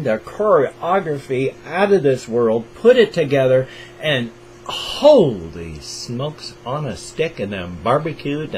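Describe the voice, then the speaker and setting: An older man with a Pacific Northwest American accent talks to his viewers from a small room at home over a headset mic. His delivery swings up and down with animated pitch as he chats eagerly. A faint hum sits under the voice. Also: rough recording. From Pacific Northwest, USA. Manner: enthusiastic, keeps voice raised to a higher register, speaks slowly on purpose. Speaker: reaction video host. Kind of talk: casual chat to camera. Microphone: over-ear headset.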